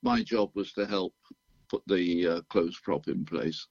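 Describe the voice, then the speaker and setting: An older man with a British accent, a retired physician chatting as a radio guest in an unhurried, self-deprecating way with dry humor. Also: deep voice, a little mellow, no room sound, dull audio. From United Kingdom. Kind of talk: relaxed radio interview chat.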